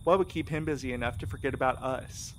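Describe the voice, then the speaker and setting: An actor playing a wry, skeptical courier in an audio drama, with a casual way of talking. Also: male voice, mid-range voice, fast, fairly bright tone, a little hiss or hum, natural voice, poor audio. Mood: worried. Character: wry, skeptical male courier, anxious devoted husband.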